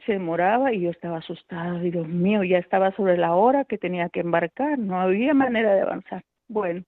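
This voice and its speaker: A woman's voice: lowish voice, fast talker, no room sound. A middle-aged woman tells her story on a tinny phone line with no room sound at all. She talks with feeling and acts out the people she quotes. She calls herself a nervous, anxious person. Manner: self-described nervous, anxious speaker. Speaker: radio volunteer guest. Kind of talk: telling a personal story on a radio call. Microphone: telephone.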